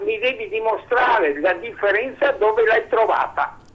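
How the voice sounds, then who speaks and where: A man's pitch swings very widely as he talks fairly slowly against noticeable background noise. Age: 80s+. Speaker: caller. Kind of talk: phone-in opinion. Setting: phone call.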